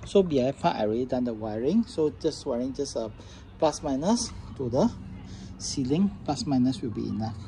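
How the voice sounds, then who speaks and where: Mellow-voiced man, halting Southeast Asian demo. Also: medium pitch, animated, slight background noise, low-quality recording. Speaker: product demonstrator. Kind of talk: unscripted hands-on product demonstration. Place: indoors at a tabletop, faint background noise.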